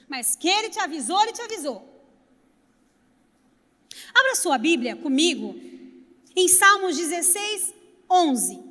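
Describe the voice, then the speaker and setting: Woman pastor, animated preacher, sharp high voice in a reverberant church. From Brazil. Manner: animated storytelling preacher, addresses congregation directly. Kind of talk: sermon. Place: church sanctuary. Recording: long reverb of a church hall.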